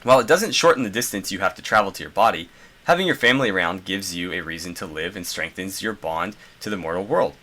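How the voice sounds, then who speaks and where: A man's voice: low-pitched, animated, fast, bright, forceful tone. A congested man reading a game design journal aloud and adding casual asides with fillers. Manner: reads passages then adds loose asides with fillers. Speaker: gaming video host.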